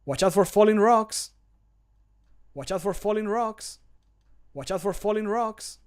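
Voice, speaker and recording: A man voicing an excitable young male adventurer's short battle lines for a fantasy video game, emphatic and close to the microphone. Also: sits high, unhurried, clear, resonant tone, pitched above the performer's own voice. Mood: eager, alert. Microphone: close desk microphone.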